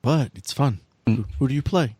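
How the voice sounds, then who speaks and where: A man's voice: medium pitch, moderate pace, warm tone, breathy edge, no room sound, studio quality. A man hosting and narrating a tabletop game in a playful, conversational way as he sets scenes. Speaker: host and game master.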